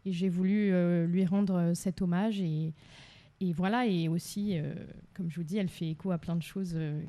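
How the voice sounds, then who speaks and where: A woman's voice: fairly low pitch, steady tone, normal speed, mellow. A woman answering interview questions conversationally, in an earnest, explanatory way. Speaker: interview guest, playwright and director.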